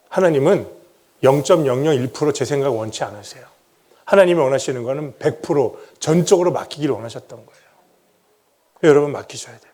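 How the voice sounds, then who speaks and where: Korean pastor telling a dramatic testimony. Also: male voice, fairly high pitch, darkish tone. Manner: storytelling with rhetorical questions, acting out his own past words. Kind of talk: sermon with personal testimony.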